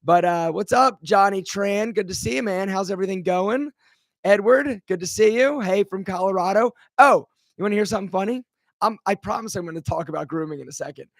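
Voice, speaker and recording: An upbeat man hosts a live stream in a fairly high register, talking close to the mic in a dry, dead room. His voice is a little rough from allergies, and he rambles cheerfully between greetings and side stories. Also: brisk, no echo. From Philadelphia. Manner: energetic, chatty, greets viewers by name. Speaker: livestream host. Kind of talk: casual live Q&A chat.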